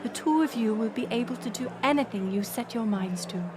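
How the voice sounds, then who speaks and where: A woman playing a gracious, resolute middle-aged queen in an audio roleplay, speaking in formal, stately, measured phrases. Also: a little high, noisy background, lightly acted. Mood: earnest reassurance. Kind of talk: scripted audio roleplay acting.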